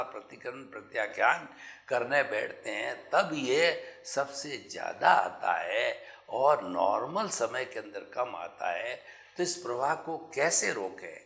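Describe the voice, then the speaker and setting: A male spiritual teacher delivers an unhurried discourse, his bright voice rising and falling in lively swings. He leans on homely examples as he preaches. The sound carries the echo of a reverberant room. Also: mid-range voice. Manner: slow, animated preaching with vivid everyday examples.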